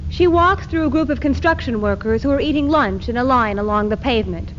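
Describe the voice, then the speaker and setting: A woman's voice: a little high, animated, a little fast, lightly acted. A woman performing a defiant feminist in readers theater, with emphatic, declamatory delivery on an old hissy archive tape. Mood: grave, indignant. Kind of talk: dramatic readers theater recitation. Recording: muffled 1970s archive tape with hiss.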